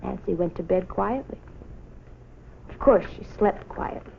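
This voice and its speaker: A woman narrates a children's story with expression, in a medium-pitched voice. The sound is that of an old film track, dull and a little noisy. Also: a little slow, creaky.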